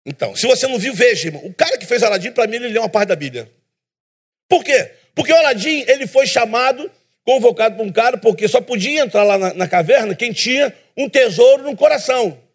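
A man preaching a sermon in a church, emphatic and animated, with self-deprecating humor. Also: extremely high pitch, fast talker, breathy edge.

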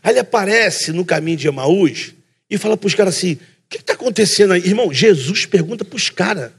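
A man with a Carioca accent preaching a sermon, telling a story with lively energy and acting out both sides of the talk, often calling the listeners brother. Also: sits high, brisk, creaky, breathy edge. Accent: Carioca Brazilian Portuguese. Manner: calls the listeners "brother" again and again. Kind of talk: sermon with a funny personal story.

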